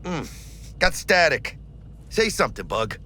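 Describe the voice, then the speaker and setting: Swaggering Latino American street merc, wildly swinging voice. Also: male voice, fairly high pitch, sing-song, takes it slowly, sharp tone, slightly rough, full character voice. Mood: wry, excited. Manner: slangy, swearing, peppers talk with Spanish. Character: brash, hungry street mercenary, big-hearted tough guy. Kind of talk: video game voice acting.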